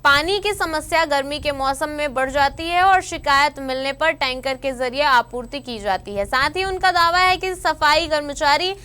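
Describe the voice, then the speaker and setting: A woman reading regional news bulletins as anchor in a formal, even newsreader style. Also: high voice, moderate pace, hardly any pauses.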